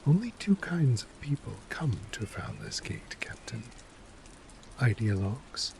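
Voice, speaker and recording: A man acts out a shrewd, jaded commander of a fantasy city guard in an ASMR role play. His male voice crackles with gravel and slips into breathy, whispered edges. He speaks very slowly and theatrically, with condescending weight, over faint rainy noise. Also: mid-range voice. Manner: measured, theatrical, condescending, dramatic pauses.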